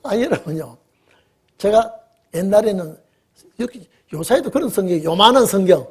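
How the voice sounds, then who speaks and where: Older male pastor, husky and high-pitched, preaching with a lot of emphasis and often checking in with the congregation. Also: lively intonation, moderate pace. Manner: emphatic, colloquial, keeps asking the congregation "예?"; swings from loud exclamations to quiet asides. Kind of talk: sermon. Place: church sanctuary.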